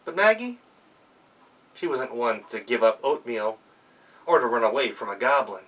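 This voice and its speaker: A man's voice: medium pitch, animated, normal speed, a bit bright, recorded from a distance, low-quality recording. A man narrating a folktale aloud in a theatrical storyteller's manner. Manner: theatrical, with emphatic sound words. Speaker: professional storyteller.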